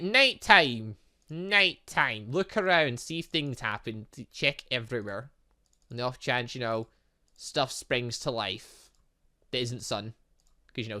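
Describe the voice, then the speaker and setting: A game playthrough host reading aloud and commenting in a rambling, excitable, self-interrupting way. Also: medium pitch. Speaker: gaming video host.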